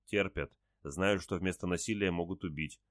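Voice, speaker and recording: A man reading the lines of an anxious young village woman in a soft, hushed, questioning voice. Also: low-pitched, normal speed, no room sound, studio quality, close to an everyday voice. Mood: sad.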